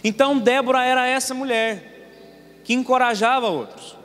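A man's voice: extremely high pitch, steady tone, moderate pace, a bit bright, faint music behind. A man in his twenties from Paraná, Brazil, preaching a sermon as pastor, telling stories and asking the congregation rhetorical questions. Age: 20s. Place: church sanctuary. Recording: long church reverb, faint room ambience.

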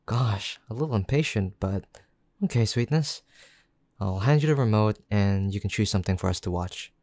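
A man playing a caring, gently teasing young boyfriend in an intimate, affectionate roleplay, speaking softly and unhurriedly. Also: lowish voice, expressive, normal speed, dry recording. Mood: gentle, caring. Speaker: voice actor in boyfriend roleplay audio.

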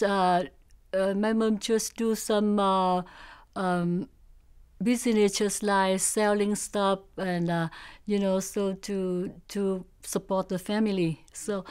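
A woman in her sixties with a Vietnamese accent tells her family story in an interview. She speaks slowly and haltingly, searching for her English words. Her voice is smooth and clear, at a middling pitch. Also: steady tone, darkish tone. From South Vietnam. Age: 60s. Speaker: oral history interviewee. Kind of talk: recalling family history in an interview. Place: indoor studio with backdrop.

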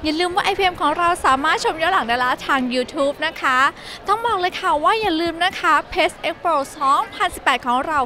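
A woman's voice: very high voice, a little fast, hardly any pauses, pushed and bright, slight background noise. A young woman reporting bubbly and upbeat from a busy indoor expo hall into a handheld mic. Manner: upbeat, bubbly presenter chatter. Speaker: entertainment show reporter. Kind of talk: on-location event report.

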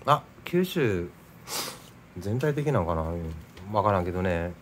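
A man's voice: low voice, sing-song, unhurried, slight background noise. A middle-aged man with a Nagasaki accent, chatting easily at home as he eats and drinks, and stopping to explain local words. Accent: Nagasaki dialect. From Nagasaki, Japan. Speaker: home food vlogger. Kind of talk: casual chat while eating and drinking.

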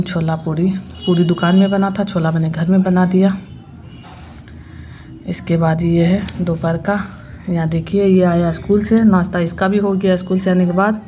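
Speaking in a mellow voice on the low side, this woman in her thirties from India chats through a voice-over of her family's day. She explains what's on screen clip by clip, over slight background noise.

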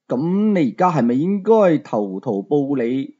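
A man voicing a calm, commanding black-robed elder in slow, quiet, Hong Kong-accented Cantonese for a story. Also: fairly high pitch, husky, lo-fi sound, heavily acted.

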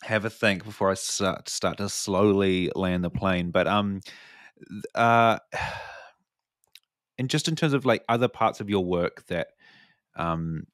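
A man hosting a podcast, casual and relaxed, who rambles and hesitates as he steers toward his next question. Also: deep voice, slow, no echo. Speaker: podcast host.

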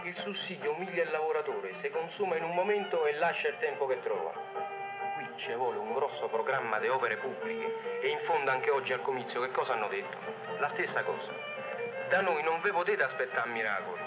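An actor playing an assertive workers' organizer, making earnest declarations in a 1940s Italian film. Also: male voice, mid-range voice, a little fast, lightly acted. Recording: dull 1940s film soundtrack, loud music.

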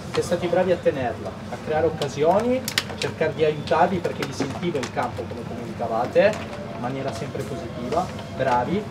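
A man in his thirties, a youth football coach, gives energetic, encouraging talks and calls out to young players on an outdoor pitch. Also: normal speed, very noisy. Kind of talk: pep talk to children. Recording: distant voice over loud pitch-side crowd.

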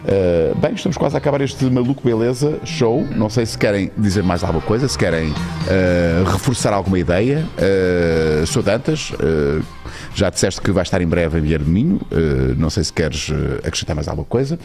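A man's voice: sits low, lively intonation, moderate pace, darkish tone, faint music behind. A man around his forties with a European Portuguese accent, hosting a casual studio talk show. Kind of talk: casual chat. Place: small podcast studio. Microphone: close studio mic on boom arm.

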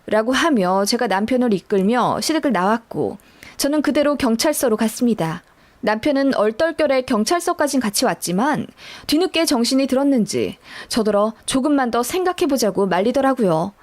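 A woman narrating a first-person family drama story, reading in an expressive, dramatic way. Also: on the high side, moderate pace. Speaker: story reader.

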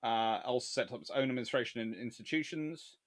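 A man's voice: medium pitch, fast talker. A man giving a long, digressive history lecture on a livestream, sarcastic and openly exasperated at blunders.

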